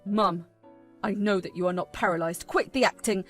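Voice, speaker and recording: A woman's voice: medium pitch, moderate pace, a bit bright, faint music behind, voice pushed down, close to an everyday voice. A woman voicing a young husband who speaks firmly and with exasperation. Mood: angry. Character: young husband, firm and frustrated.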